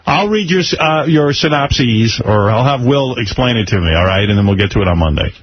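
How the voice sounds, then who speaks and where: A man's voice: medium pitch, animated, fairly quick. A man hosting a talk radio show, bantering casually and teasing a caller. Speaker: radio host. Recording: dull, noisy radio recording.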